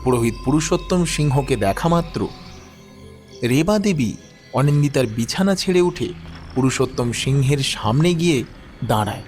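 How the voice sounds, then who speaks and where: A man's voice: mid-range voice, expressive, normal speed, pauses often, darkish tone, soft background music. A man narrating a scripted horror story in a dramatic storytelling style.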